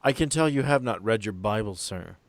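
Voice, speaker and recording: A stubborn, God-fearing middle-aged landowner played by a man speaks formally and deliberately. His voice is close and dry, calmly unyielding, as in a tabletop roleplaying story. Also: fairly low pitch, no echo. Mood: pious, stern.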